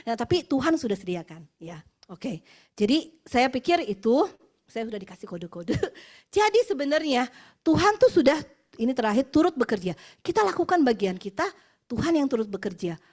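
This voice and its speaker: A woman in her forties from West Java, giving a personal testimony sermon at an office worship meeting in a chatty, expressive way, dropping English phrases and laughing between points. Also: fairly high pitch, normal speed. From West Java, Indonesia. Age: 40s.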